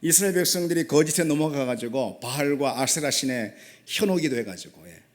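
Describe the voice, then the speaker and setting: A man's voice: a little high, lively intonation, a little fast. A man preaching an emphatic sermon, asking rhetorical questions and dropping short affirming asides. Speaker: pastor.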